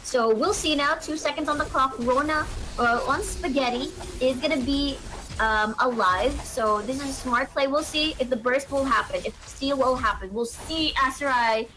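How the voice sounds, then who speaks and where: A woman's voice: sits high, normal speed, sharp tone, poor audio. A woman giving analytical color commentary on an esports match, explaining the strategy.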